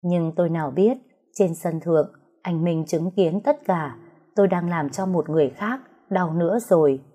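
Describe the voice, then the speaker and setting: A woman narrating a first-person romantic story in a soft, even storytelling manner, voicing the dialogue herself. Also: lowish voice, moderate pace, husky.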